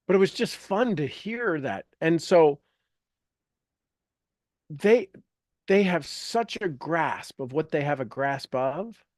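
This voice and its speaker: A man's voice: medium pitch, darkish tone, dry recording. Emphatic man coaching, close dry sound. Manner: emphatic, repeats phrases for effect. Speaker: host and coach leading a group call. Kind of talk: informal motivational group coaching talk.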